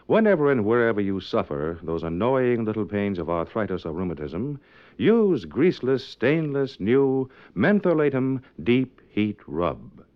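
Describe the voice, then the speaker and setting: A man's voice: lowish voice, big pitch swings, a little slow. A man working as a 1950s radio announcer, reading scripted introductions and sponsor copy. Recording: dull 1950s radio recording.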